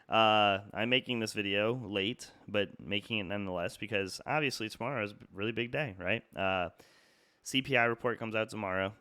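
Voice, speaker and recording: A man's voice: lowish voice, moderate pace, sharp tone, clear, resonant tone, dry recording. A young man with a stuffy, congested nose from a cold, casually talking through stock charts with lots of fillers and restarts. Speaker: market analysis YouTuber. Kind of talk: casual trading chart talk.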